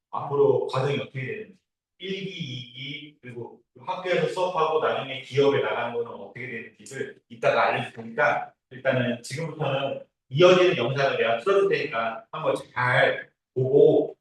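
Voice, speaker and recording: A man giving an informal, easygoing orientation talk to a class as their instructor, reassuring and often checking that listeners follow. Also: mid-range voice. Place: indoor classroom, recorded from a distance. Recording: very echoey room, distant mic.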